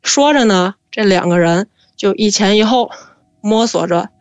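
A woman telling a spooky family story in a lively, chatty way, drawing out her fillers. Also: mid-range voice, a little slow, smooth, no room sound. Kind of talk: casual spoken storytelling.

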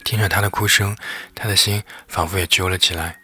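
A man narrating a lighthearted bedtime story in a gentle, lively way. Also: deep voice, a little fast, slightly rough. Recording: faint background music.

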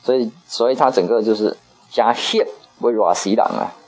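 A man teaching Hokkien in a casual lesson, patiently repeating phrases slowly for his learner. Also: on the low side, a little mellow, soft background music, low-quality recording.

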